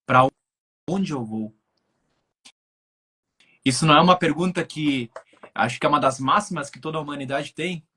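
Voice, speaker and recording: A man's voice: fairly high pitch, moderate pace, long pauses, bright, forceful tone, husky. A man in his twenties giving an explanatory talk on a live stream over a video call, often checking in with his listeners. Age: 20s. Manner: explanatory, thinks aloud with many filler tags. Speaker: guest speaker on spirituality.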